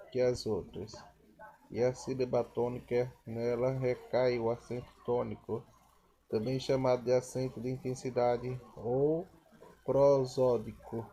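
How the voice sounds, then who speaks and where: A man teaching a grammar lesson, reading rules and word lists slowly and carefully, correcting himself now and then. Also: medium pitch, warm tone, lo-fi sound.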